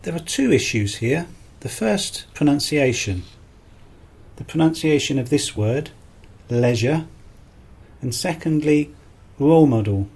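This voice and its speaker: A male podcast host and English teacher with a husky, slightly breathy voice. He reads out calm, explanatory feedback in a scripted teaching style. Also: fairly high pitch, a little slow.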